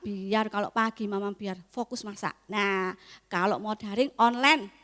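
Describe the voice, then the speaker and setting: A young woman teaching a Sunday school lesson, coaxing and lively with the children. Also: mid-range voice, unhurried. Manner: lively, coaxing, talks to kids. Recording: echoey hall.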